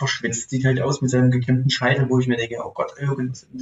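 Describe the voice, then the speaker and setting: Fairly quick and somewhat breathy, a man talks at medium pitch in a monotone, flat intonation. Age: 30s. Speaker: podcast guest, film fan. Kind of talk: casual chat. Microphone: built-in laptop mic, poor sound quality.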